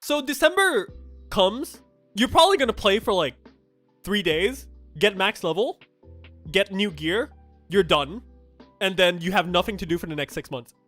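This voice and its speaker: A young man from Thailand, whose first languages are Thai and Japanese, speaks English in a slightly high voice. He rambles through game news in a blunt, chatty way, full of fillers and restarts. Soft music plays quietly behind him. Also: animated, normal speed, pauses often, no room sound. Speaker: gaming streamer. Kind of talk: casual game news reaction commentary.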